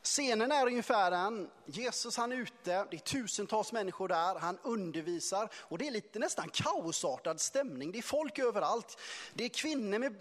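A man preaching a Sunday sermon, retelling a story in a lively, conversational, playful way. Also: high-pitched, big-room sound. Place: church hall.

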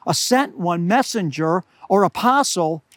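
An older man preaching a sermon outdoors at high altitude, slightly hoarse, earnest and deliberate, slowing down to stress key words. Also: lively intonation. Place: outdoors among pine trees at high altitude.

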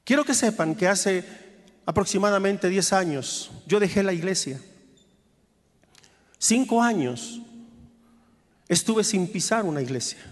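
A man preaching a sermon as pastor, speaking earnestly and with heartfelt conviction as he moves from personal testimony to fervent exhortation. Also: high-pitched. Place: church sanctuary. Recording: long reverb of a church hall.

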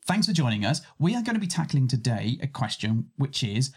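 Male host, mid-pitched, playful banter, punning. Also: big pitch swings, brisk, darkish tone, breathy edge. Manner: teasing, punning. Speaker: podcast co-host. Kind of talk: casual podcast chat.

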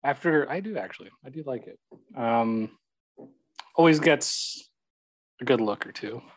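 Young male co-host, animated and teasing, dry close-mic sound. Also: mid-range voice, measured pace, no echo. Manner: playful, teasing. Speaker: podcast co-host. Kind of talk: casual chat.

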